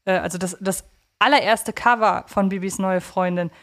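A woman's voice: medium pitch, steady tone, moderate pace, a bit bright. A woman in her thirties talking as a podcast co-host, thinking aloud in long, winding, reflective sentences. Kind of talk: conversational podcast discussion.

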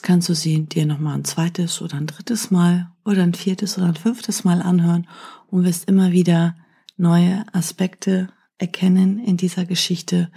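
Soft-voiced woman reading a children's tale. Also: fairly low pitch, vocal fry, husky. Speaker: children's story narrator. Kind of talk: storytelling for children.

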